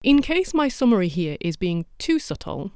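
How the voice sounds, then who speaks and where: A woman's voice: medium pitch, big pitch swings, normal speed, darkish tone, smooth, no echo. A woman hosting a podcast, delivering scripted documentary narration with dry, wry asides. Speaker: podcast host.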